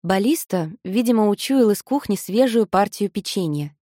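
A woman narrating an audiobook in the first person, her voice mellow and warm at a middle pitch. She reads in an even, measured way, and the recording is close and dry, with no room sound. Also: no room sound.

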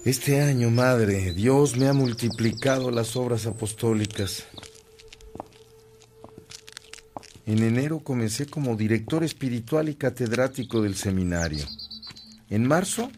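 An actor playing a kindly, zealous Catholic priest in a radio drama, earnest and declamatory. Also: male voice, medium pitch, normal speed, a little mellow, soft background music, lightly acted. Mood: proud.

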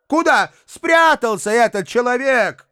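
A man's voice: extremely high pitch, lively intonation, unhurried, a bit bright, clean tone, pitched above the performer's own voice, heavily acted. A man voicing a pompous, self-pitying male hypocrite in an audiobook, declaiming indignantly and melodramatically. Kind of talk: audiobook reading.

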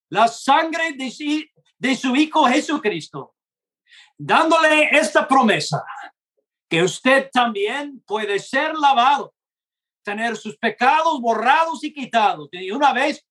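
A man preaching a gospel message in Spanish, which is not his first language, in a slow and earnest way, acting out short dialogues. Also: extremely high pitch, a bit bright. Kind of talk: gospel sermon.

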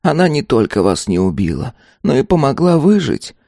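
A man voicing a tiny golden ghost servant who calmly and persistently needles his master, speaking in a hushed, drawn-out sing-song. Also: mid-range voice, gravelly, no room sound, clean studio sound, voice pushed up. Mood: calmly needling. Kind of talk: audiobook character voice.

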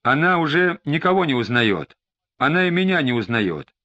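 A whining, tearful suspect, as a male reader puts him on, pleading and snapping in turns. The pitch swings widely and sits a little high. The recording is slightly dull and lo-fi. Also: big pitch swings, normal speed, pushed and bright. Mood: agitated. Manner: sobbing, pleading and irritable.

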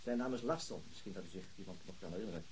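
Quick-talking, husky police detective. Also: male voice, deep voice, a little mellow, rough recording. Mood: tactful, hesitant. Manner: hesitant, probing questioning. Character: persistent, polite police detective on a murder case. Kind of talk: Dutch radio drama dialogue.

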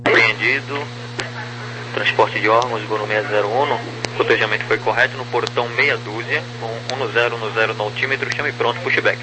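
A man's voice: mid-range voice, fairly even intonation, normal speed. Crackly radio, Brazilian male air traffic controller. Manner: procedural, clipped. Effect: crackly aviation radio. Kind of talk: radio clearance phraseology, spelling with phonetic alphabet. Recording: noisy, humming air-band radio transmission.

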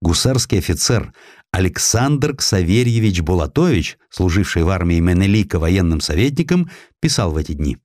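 A man reading a historical essay as an audiobook narrator, in a measured, dramatic storytelling delivery with expressive emphasis. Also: deep voice, no echo, studio quality.

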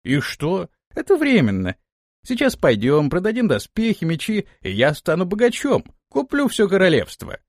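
A man's voice: high voice, wildly swooping pitch, moderate pace, no room sound, voice pushed up, full character voice. Male narrator voicing a petulant young man, raised voice, dry booth. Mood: eager.

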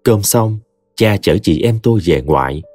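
A man narrating a story in an expressive reading. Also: low voice, moderate pace, no room sound, faint music behind.

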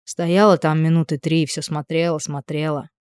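A remorseful young man confesses in a subdued, lowish voice, read by a woman. He talks quietly and plainly. The audiobook sound is dry and close. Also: flat delivery, normal speed, clean tone, no echo, close to an everyday voice. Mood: regretful.

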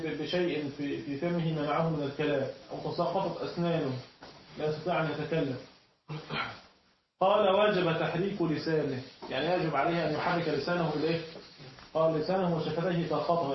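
Man teaching a class, fairly high voice, distant from the mic, booming echo, dull muffled sound, faint background noise. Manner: pauses mid-sentence for students to finish his words. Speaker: teacher of Islamic jurisprudence. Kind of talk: classroom lesson. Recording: echoey, distant, dull room recording.

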